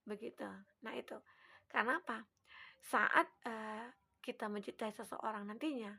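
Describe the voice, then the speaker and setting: A woman giving a collective tarot reading, gently advising and speaking straight to the listener. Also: fairly high pitch, gravelly. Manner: acts out the listener's own words. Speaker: tarot reader.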